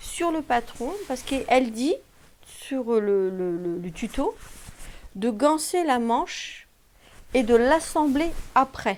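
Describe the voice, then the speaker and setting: A woman speaks at a high pitch. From northern France, near Belgian border. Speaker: sewing youtuber. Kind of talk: casual sewing review vlog. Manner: hesitant, many fillers.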